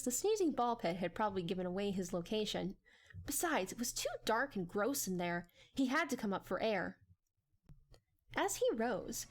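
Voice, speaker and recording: A woman reading a story aloud as a dramatic, expressive, animated narrator. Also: medium pitch. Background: background music.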